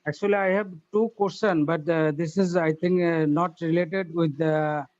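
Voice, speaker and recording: Slow, formal Bangladeshi man on a call. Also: a little high, steady tone, darkish tone. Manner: slow, halting, formal, with many uh fillers. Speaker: webinar participant. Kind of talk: formal grateful speech on a call. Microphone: phone or computer call audio. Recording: muffled online call audio.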